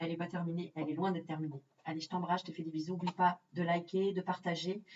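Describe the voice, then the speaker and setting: Talking at a fairly quick pace, a woman holds a fairly low pitch with monotone, flat intonation. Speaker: medium and personal development guide. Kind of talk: tarot reading video. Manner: fast; hesitant, many fillers.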